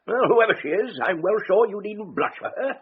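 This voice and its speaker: An actor playing an elderly, genial lord who chuckles and teases in a radio drama. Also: male voice, high-pitched, expressive, moderate pace, slightly rough, heavily acted. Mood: jovial. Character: elderly male lord, jovial and teasing. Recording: tinny lo-fi radio broadcast with faint hiss.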